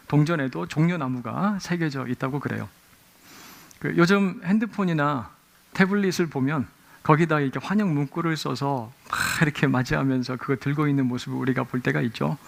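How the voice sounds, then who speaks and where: A middle-aged male pastor delivers a Sunday sermon with a voice that sits a little higher than most men's. He tells stories with energy, bursting into acted-out shouts and quoted lines as he preaches in a church sanctuary. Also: gravelly. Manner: animated storytelling with acted-out exclamations.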